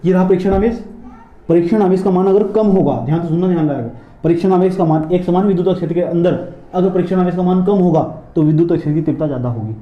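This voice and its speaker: A man's voice: sits high, fast, roomy sound, dull audio. A man teaching physics in a classroom lecture, repeating points and drilling his students with questions and answers.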